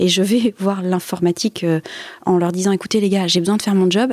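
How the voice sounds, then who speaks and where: In a dry, close sound with no echo, a woman with a normal speaking voice talks at a medium pitch with fairly even intonation. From Normandy, France. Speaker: entrepreneur. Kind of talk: interview.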